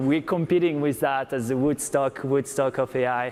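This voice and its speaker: A man with a French accent, medium pitch and fairly even intonation, over noticeable background noise. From France. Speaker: tech startup co-founder. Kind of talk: conference stage interview.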